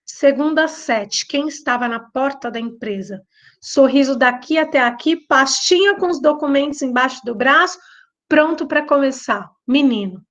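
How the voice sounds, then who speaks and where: A middle-aged Brazilian woman giving a talk, telling a story with lively repetition and quoted dialogue. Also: sits high, normal speed. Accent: Brazilian Portuguese. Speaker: lecturer and behavioral trainer.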